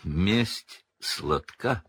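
A man's voice: deep voice, expressive, fairly bright tone, breathy edge, no room sound, exaggerated voice. A man voicing a cold, vengeful middle-aged male professor who hisses and drawls menacingly, in a storybook reading. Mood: menacing gloat. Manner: hissing, menacing, slow drawl.

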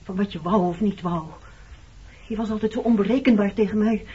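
Husky, wounded woman, muffled recording. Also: mid-range voice, steady tone, a little fast, warm tone. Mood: accusing. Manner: hurt, accusing. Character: wounded, resentful woman confronting her former lover. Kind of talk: Dutch radio play acting. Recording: muffled old radio recording.

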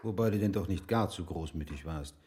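Husky, methodical captain. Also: male voice, low-pitched, fairly quick, mellow. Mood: dryly teasing. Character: practical, methodical military captain, courteous, gently teasing. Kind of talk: literary German radio drama acting.

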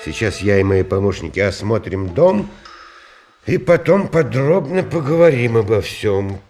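An actor in an audio play voicing a courteous, authoritative police inspector, speaking in a measured, formal theatrical way. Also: male voice, fairly low pitch, sing-song, over music. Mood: courteous authority. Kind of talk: theatrical audio drama acting.

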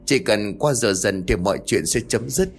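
A man's voice: fairly low pitch, animated, normal speed, slightly rough. A man voicing a frightened grown son who tries to soothe his mother in an anxious, urgent way. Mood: anxious soothing.

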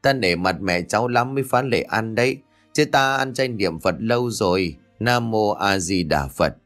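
A man's voice: on the low side, moderate pace, fairly bright tone, faint music behind, close to an everyday voice. A man doing a mocking old aunt in black. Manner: mocking, pious-sounding.

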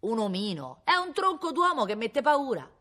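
A woman reading aloud voices a pair of rough male constables who speak bluntly yet deferentially. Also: mid-range voice, very animated, fairly quick, voice pushed up. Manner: loud shouting, then obsequious. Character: two rough male policemen, deferential to nobility.

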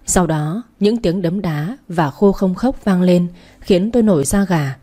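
Reading a first-person story aloud, a woman with a lowish, dark voice takes an unhurried, dramatic approach, giving every character a voice of her own.

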